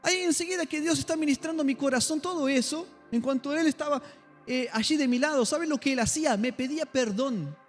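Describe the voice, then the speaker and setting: A man's voice: very high voice, fast talker, faint music behind. A male pastor, preaching and telling a story while acting out the dialogue with emotion. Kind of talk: sermon storytelling. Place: church.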